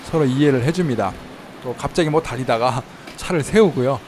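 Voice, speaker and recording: A man giving casual travel tips in a chatty way, slowing down to spell out how words sound. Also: medium pitch, darkish tone, slight background noise. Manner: chatty, slows down to spell out pronunciations. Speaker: travel vlogger in Thailand. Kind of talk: casual explanatory talk. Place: inside a car while driving.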